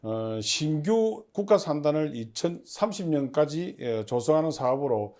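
A man giving formal, somewhat halting interview answers as the head of a public agency, as if partly reading prepared notes. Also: on the high side, lively intonation, a little mellow.

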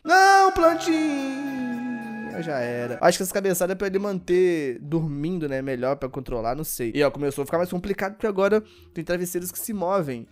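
A sleepy, worn-out man with a Brazilian Portuguese accent, giving let's-play commentary and yelping excitedly at the game. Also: high voice, fairly quick, soft background music. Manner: excitable, yelps and shouts at the game. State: sleepy and exhausted. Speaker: gaming YouTuber.

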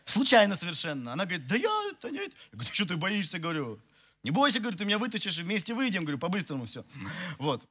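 A man's voice: high voice, huge pitch swings, racing, bright, forceful tone. A man in his forties, a pastor, preaching to a church hall audience through a headset mic, telling a self-mocking story with many restarts. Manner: walks the stage, gesturing. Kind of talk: sermon with humorous personal story.

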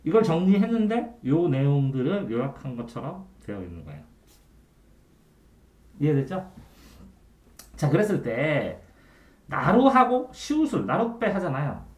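A man tutoring a student one-on-one in Korean grammar, quizzing him often and trailing off quietly at the ends of phrases. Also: fairly high pitch, wildly swooping pitch, measured pace, pauses often. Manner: quizzing the student with frequent checks for understanding. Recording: echoey room.

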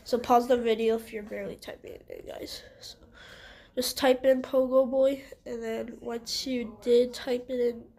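A woman's voice: a little high, steady tone, normal speed, vocal fry, dark tone. A woman with a stuffy nose giving rambling, hesitant casual gameplay commentary as a gaming channel host. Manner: rambling, hesitant with many ums and restarts.

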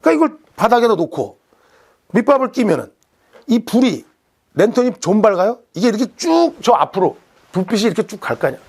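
Man telling a lively comedy story. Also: high-pitched, fast, slightly rough. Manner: animated anecdote telling, acting out characters. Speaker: comedian host. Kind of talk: stand-up storytelling.

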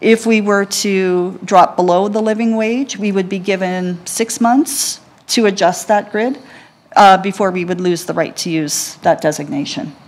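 A woman, a library system executive, answering council questions in a clear, businesslike way from a council chamber desk mic. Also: medium pitch, steady tone, unhurried. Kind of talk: formal presentation answers.

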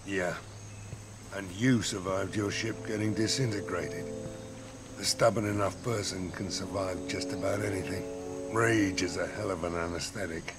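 An actor playing a bitter, ruthless older male mercenary in a video game, gruff and profane with a gravelly voice. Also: deep voice, steady tone, normal speed, natural voice. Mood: grim resolve. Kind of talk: cinematic video game acting. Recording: dramatic music behind the voice.

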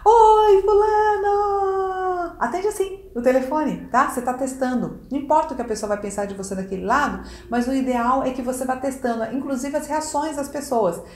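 A woman with a Brazilian accent giving a casual coaching lesson in an expressive, demonstrative way, often checking in with quick tag questions. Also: sits high. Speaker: communication coach. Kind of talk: casual instructional video talk. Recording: echoey room.

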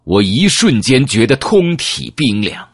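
A man's voice: mid-range voice, very animated, unhurried, slightly rough, dry recording. A man narrating an audiobook novel with emotive first-person storytelling into a close mic.

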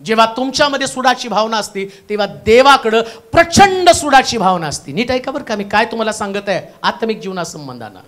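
A man preaching a Pentecostal sermon in a church, moving between loud calls and hushed asides and repeating the reader's words back. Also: sits high, animated, fairly quick, hardly any pauses. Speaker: pastor.

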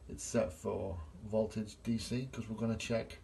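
A man's voice: lowish voice, little pitch movement, moderate pace, gravelly, dark tone, slight background noise. A middle-aged man, a gas engineer, plainly explaining a boiler test step by step while filming on his phone in a small workshop. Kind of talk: hands-on repair demonstration. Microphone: phone camera held in hand.

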